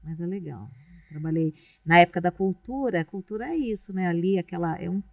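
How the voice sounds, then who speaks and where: A middle-aged Brazilian woman, a radio announcer guesting on a podcast, talking in a relaxed, rambling, chatty way with restarts. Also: fairly low pitch, a little fast, creaky, dry recording, studio quality. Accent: Brazilian Portuguese. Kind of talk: casual podcast interview.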